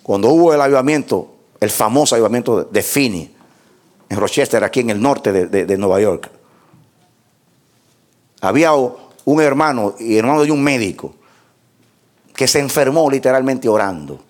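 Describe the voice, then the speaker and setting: A man's voice: mid-range voice, animated, moderate pace, long pauses, a little mellow. A man preaching a sermon, telling stories with passion and repeating words for emphasis. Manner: impassioned, repetitive storytelling preaching.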